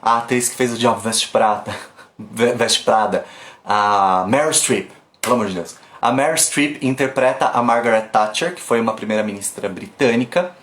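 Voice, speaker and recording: A man from Brazil giving a live online pronunciation class on his phone, chatty and lively, stopping to demonstrate sounds. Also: medium pitch, moderate pace, echoey room. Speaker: English teacher. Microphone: phone camera.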